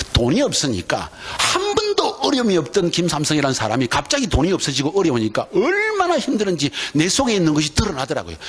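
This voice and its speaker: A man talks at a very fast pace with a Gyeongsang accent. Noticeable background noise is present. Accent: Gyeongsang dialect Korean. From Gyeongsang Province, South Korea. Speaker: missionary. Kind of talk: sermon. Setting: church.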